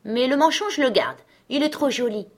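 A wild, knife-loving little robber girl, put on by a woman narrator in a storybook. She is bossy and teasing, with a high, forceful voice. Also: expressive, normal speed.

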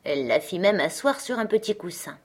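A woman reading a fairy tale aloud as narrator, in a calm, measured way. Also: lowish voice, husky. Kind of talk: storybook reading.

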